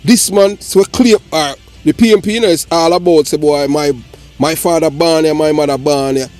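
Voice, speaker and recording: A Jamaican man ranting on a live political talk show, forceful and repetitive with many restarts. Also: on the high side, moderate pace, faint music behind. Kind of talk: heated political call-in talk.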